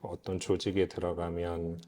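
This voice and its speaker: A guest expert explains philosophy in an interview setting, earnest and reflective as if lecturing. His voice is low and warm but monotone, moving at a normal speed, and the hall-like room adds plenty of reverb.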